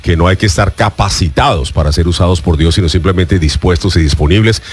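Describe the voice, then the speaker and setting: Deep-voiced Christian radio host. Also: male voice, a little fast, breathy edge. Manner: warm, affirming interviewer with faith phrases. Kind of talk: radio interview.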